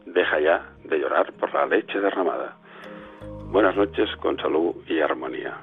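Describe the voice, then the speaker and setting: A man giving a scripted, measured motivational talk as a radio show's coach, calling in by phone. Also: a bass voice, creaky, music in the background. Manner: measured, reflective delivery. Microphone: phone call. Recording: tinny phone line.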